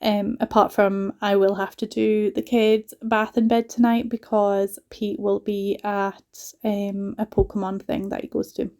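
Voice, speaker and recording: Woman, soft Geordie-Scottish accent, casual vlog voiceover, rambling, mellow tone, mid-pitched. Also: level tone, a little slow, few pauses. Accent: soft mix of Geordie and Scottish. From northeast England. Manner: chatty, rambling, frequent "like" asides. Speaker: home vlogger and mother. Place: at home, recorded as a voiceover.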